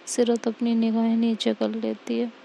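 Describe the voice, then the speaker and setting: A woman's voice: fairly high pitch, completely flat delivery, moderate pace, gravelly, warm tone, slight background noise. A woman narrating a romantic story and voicing all the characters herself, sometimes correcting herself when she mixes up names.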